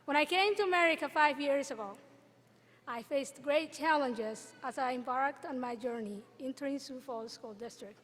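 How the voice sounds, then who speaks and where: A young woman from Somalia delivers a graduation address at a podium microphone. Her voice sits high, and her words carry an earnest, measured pace with deliberate pauses. The sound rings out with the long reverb of a large hall. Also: fairly bright tone. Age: young adult. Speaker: student commencement speaker. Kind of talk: graduation speech.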